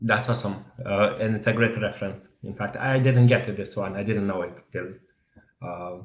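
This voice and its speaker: A man's fairly low voice, somewhat breathy, with fairly even intonation, a moderate pace and audible room echo. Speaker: religion and philosophy channel host. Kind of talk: interview conversation. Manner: halting.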